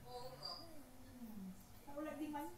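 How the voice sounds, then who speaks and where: A woman in casual conversation, talking in a halting way as if thinking aloud, recorded at a distance in a reverberant room. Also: high voice, lively intonation, background noise. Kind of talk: casual chat about loan payments and charges.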